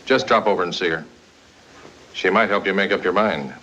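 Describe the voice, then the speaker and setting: An actor playing a stern lawman who speaks in a flat, menacing way. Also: deep voice, brisk. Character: stern man of the law, cold and pressing. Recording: dull old film soundtrack with faint noise.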